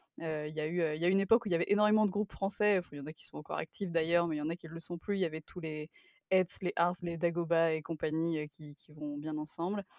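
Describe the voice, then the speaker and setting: A woman's fairly low, fairly even voice at a very fast pace, with big swings in loudness and a dry, close sound free of echo. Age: 20s. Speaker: music journalist. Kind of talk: casual chat.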